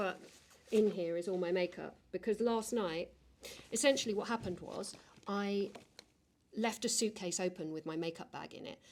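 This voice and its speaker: With an English accent, this woman speaks at a medium pitch and a moderate pace, her pitch varying in an ordinary way. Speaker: makeup vlogger. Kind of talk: makeup tutorial. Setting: home studio. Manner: loud.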